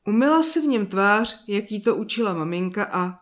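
A woman narrating a fairy tale in a slow, soft storytelling manner with drawn-out pauses. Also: mid-range voice, animated.

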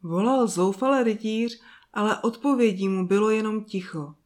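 A woman narrating a children's fairy tale in a calm, soft and slow reading voice. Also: mid-range voice. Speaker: storyteller. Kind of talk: scripted storybook narration.

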